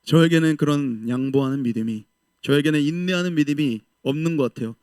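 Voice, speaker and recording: A fervent young male pastor with a high, bright voice preaches to a young adults' service. He surges into loud calls and then drops to quiet asides, acting out quoted voices as he goes. The sound is close and dry. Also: fast talker, clear, resonant tone, no echo. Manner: passionate, swings from loud exhortation to soft asides; voices the doubters and God's reply in lively quoted speech.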